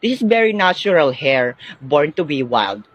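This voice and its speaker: A man's voice: fairly high pitch, very animated, unhurried, fairly bright tone, slightly rough, dull audio, exaggerated voice. A man voicing a vain, dramatic female classmate who mixes English and Tagalog and mangles English words, in a one-performer comedy skit.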